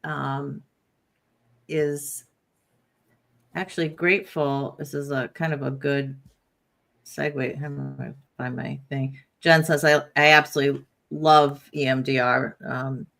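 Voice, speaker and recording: Supportive host with a gravelly voice. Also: medium pitch, little pitch movement, a little slow, a bit bright. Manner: supportive, reads out viewer comments. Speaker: host of a live talk stream. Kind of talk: live-stream interview hosting.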